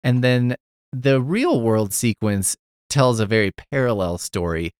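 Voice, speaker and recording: A man's voice: mid-range voice, expressive, unhurried, darkish tone, clear, resonant tone, dry recording, studio quality. A middle-aged man hosting a podcast in casual chat, retelling a story in a rambling, sarcastic way with plenty of swearing and asides. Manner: rambling, heavy on fillers and asides. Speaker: podcast host.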